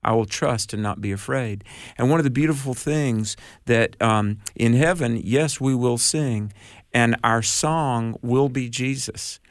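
Animated man quoting scripture on radio. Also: mid-range voice, unhurried, dry recording, clean studio sound. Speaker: radio show guest and apologist. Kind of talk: casual radio chat.

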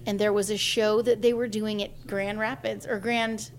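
A woman's voice: medium pitch, moderate pace. A woman in her forties, a singer, telling a personal story in an interview and acting out the voices of the people she quotes. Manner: lively storyteller who acts out quoted voices.

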